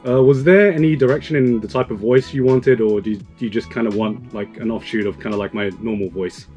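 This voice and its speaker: A man's voice: medium pitch, a little fast, a little mellow, highs cut off, soft background music. A man chatting casually as a podcast co-host. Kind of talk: casual chat.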